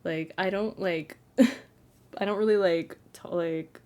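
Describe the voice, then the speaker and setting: Late at night, a young trans content creator rambles self-consciously in a casual bedroom vlog, using "like" over and over. His voice is high-pitched, smooth and fairly flat, feminine in sound, and he speaks slowly.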